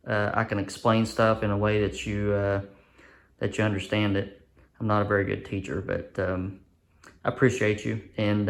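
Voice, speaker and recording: A man casually explains a hands-on job to viewers, as an engine builder in a folksy, plainspoken, modest way. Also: on the low side. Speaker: engine builder presenting a how-to video.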